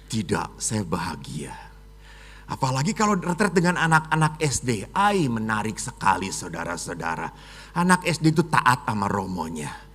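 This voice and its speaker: A middle-aged man, a Catholic priest, giving a lively homily, dramatic and joking, dropping from loud exclamations to hushed whispers. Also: on the low side, moderate pace, breathy edge.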